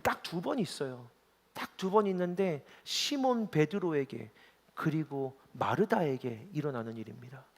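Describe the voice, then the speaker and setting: High-voiced pastor preaching in an echoing hall. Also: male voice, expressive, moderate pace. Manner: earnest, emotional storytelling with emphatic repetition. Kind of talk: sermon. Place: church hall. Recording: reverberant church hall.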